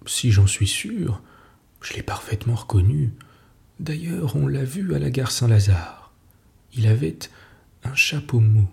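A distraught society lady pleads her case in a breathless, emphatic rush, as a man reading a story puts her on. The voice stays slow and gravelly, with a dark, mellow tone. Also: medium pitch, lively intonation. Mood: agitated, insistent. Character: distraught, insistent middle-aged society lady.

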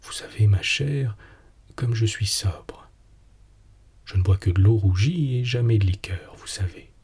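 A man voicing a remorseful, embarrassed husband in a whispered role-play, low, gravelly and hesitant. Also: measured pace, a little mellow, heavily acted. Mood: reluctant. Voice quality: whispered, breathy. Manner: reluctant, hesitant.

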